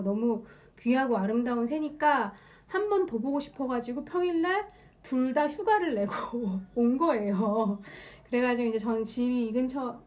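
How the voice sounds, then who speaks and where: A woman's voice: fairly high pitch, dark tone. A woman hosting a podcast alone, talking casually in a rambling, think-aloud way. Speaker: podcast host. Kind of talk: casual solo monologue.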